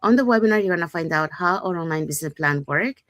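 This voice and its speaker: Low-pitched woman. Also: lively intonation, quick pace, a bit bright, no room sound, clean studio sound. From Panama. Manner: upbeat, repetitive inviting tone. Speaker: co-host. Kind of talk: scripted show promotion.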